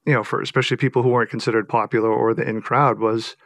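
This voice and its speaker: A man's voice: mid-range voice, steady tone, racing, a bit bright, dry recording, clean studio sound. A man who is an author and a guest on the show, answering thoughtfully and hesitantly, with frequent fillers. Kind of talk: interview answers.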